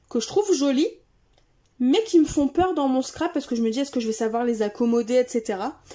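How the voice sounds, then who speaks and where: The pace is fairly quick and the tone dark and mellow. Intonation stays lively throughout. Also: woman, high pitch for a woman. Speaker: scrapbooking YouTuber. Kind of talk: casual haul video. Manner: halting, with hesitations.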